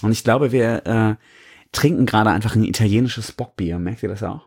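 A gravelly, slightly husky man talks in a loose, rambling way, full of fillers and little jokes at his own expense. His voice sits a bit low, and the chat is easygoing. He sounds like a podcast co-host having a casual beer tasting. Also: a little fast. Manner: rambling, self-mocking, many fillers.

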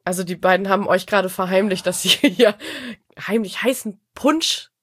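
A woman's voice: medium pitch, moderate pace, a bit bright, no echo, studio quality. A woman with a cold, chatting casually on a podcast, rambling and laughing often. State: has a cold. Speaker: podcast guest. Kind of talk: casual chat.

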